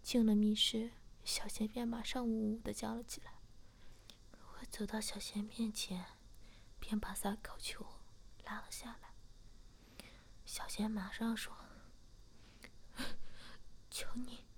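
A woman telling a story almost entirely in a whisper. The voice sits a little high and stays hushed and steady from line to line. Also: unhurried, gravelly, pauses often. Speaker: narrator.

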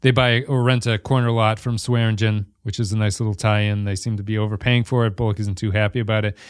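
A man's voice: on the low side, level tone, fast, clean tone, dry recording, clean studio sound. A man hosting a casual podcast, explaining plot points at length with frequent restarts. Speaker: podcast host. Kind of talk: casual chat.

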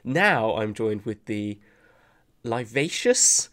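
A man's voice: lowish voice, sing-song, slow pace, a bit bright. A man with a southern English accent hosting a casual chat in an informal, matey way, often chipping in. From Buckinghamshire, England. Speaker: podcast host.

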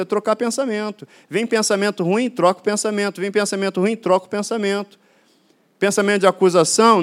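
A man from Rio de Janeiro, preaching a sermon to his congregation in a rhythmic, repetitive way that swings from quiet to loud declarations. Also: sits high. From Rio de Janeiro, Brazil. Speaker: pastor. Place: church before a congregation.

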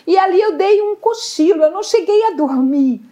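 A middle-aged woman giving an emotional faith testimony, earnest and halting, often searching for words. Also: very high voice, expressive, mellow. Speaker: guest sharing testimony.

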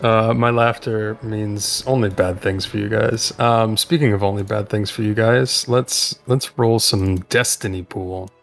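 A man narrating a tabletop role-playing session as game master, unhurried and full of filler sounds. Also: on the low side, fairly even intonation, vocal fry, soft background music.

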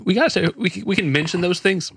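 A man's voice: high voice, fast talker, fairly bright tone, breathy edge, no room sound, clean studio sound. A man co-hosting a casual podcast, blunt and swearing freely. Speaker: podcast co-host. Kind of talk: casual chat.

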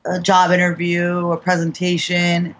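A woman's voice: lowish voice, monotone, a little slow. A woman co-hosting a podcast who gives practical advice in a matter-of-fact, conversational way. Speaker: podcast co-host. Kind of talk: casual conversational talk.

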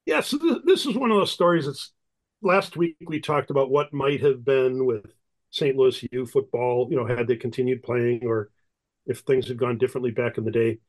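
Guy guesting on a podcast, middle pitch, rambly, tons of you-knows. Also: moderate pace, poor audio. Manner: rambling, many "you know" fillers. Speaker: guest historian. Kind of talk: casual interview chat.

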